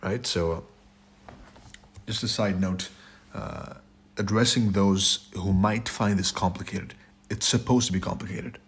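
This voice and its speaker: A man with a raspy, hoarse voice teaching a trading lesson over slides, blunt and repetitive, often checking in with "right?". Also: sits low, fairly even intonation, unhurried, pauses often, a bit bright. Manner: blunt, repeats "right?" and "it's your fault". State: hoarse, sore throat. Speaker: trading instructor.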